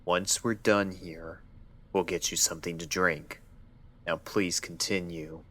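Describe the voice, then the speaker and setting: A man voicing a stern, impatient pony doctor who questions in a flat, clinical, insistent manner in an audio story. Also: sits low, measured pace, heavily acted. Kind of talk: dramatic audio story acting.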